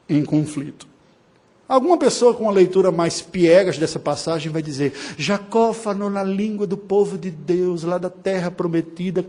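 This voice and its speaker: A man's voice: a little high, mellow. A man from Brazil preaching an expository sermon, emphatic, with ironic asides and short laughs. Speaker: pastor.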